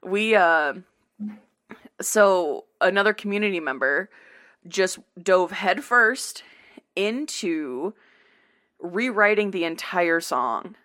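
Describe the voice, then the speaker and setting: A woman's voice: lowish voice, animated, slow pace, pauses often, fairly bright tone. A woman hosting a podcast, telling a rambling story with frequent laughs. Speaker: podcast host. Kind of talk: casual chat.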